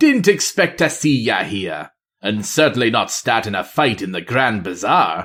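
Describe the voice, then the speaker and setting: A man speaks at a medium pitch and a moderate pace. He is doing a put-on character voice. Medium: read story.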